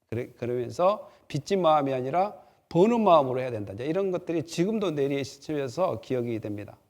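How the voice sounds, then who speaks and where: A man talks very fast with a strong Jeolla accent. His fairly high pitch swings very widely. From Korea, Jeolla region. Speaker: pastor. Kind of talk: sermon. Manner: halting, many fillers.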